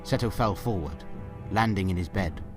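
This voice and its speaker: A man's voice: deep voice, normal speed, music in the background. A man narrating a scripted audio drama as a storyteller, with dramatic delivery.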